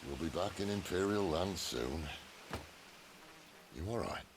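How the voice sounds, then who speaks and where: Game role: worldly British rogue, wry, gravelly and lively, insect buzz behind. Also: male voice, sits low, noisy background. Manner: wry, folksy, unhurried banter. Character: roguish, wry, worldly male outlaw, middle-aged. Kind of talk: cinematic video game acting.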